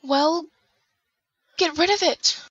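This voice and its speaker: A woman's voice: high-pitched, slow pace, a bit bright, no echo. A woman playing a flustered, impulsive woman in her twenties in an audio drama, on a muffled recording. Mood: alarmed. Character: flustered, impulsive 24-year-old woman with a new gadget.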